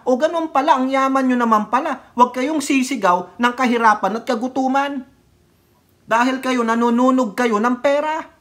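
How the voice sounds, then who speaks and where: Sarcastic Filipino man ranting, high voice. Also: fairly bright tone. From Philippines. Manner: sarcastic, mocking, scolding; switches between Tagalog and English. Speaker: political vlogger. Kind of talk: ranting commentary on news.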